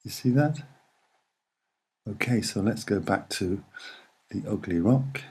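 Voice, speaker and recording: Slow, soft-spoken man, low and husky. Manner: hesitant, musing, conspiratorial explaining. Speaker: video narrator. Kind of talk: casual soft-spoken commentary over images.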